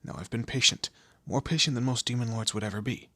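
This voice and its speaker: A man playing a commanding, teasing demon lord in an audio roleplay, with a low gravelly, husky voice and an imperious, theatrical manner. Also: fast, sharp tone, dry recording. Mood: stern, threatening. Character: male demon lord, commanding, menacing, teasing boss of hell. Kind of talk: scripted audio roleplay addressed to the listener.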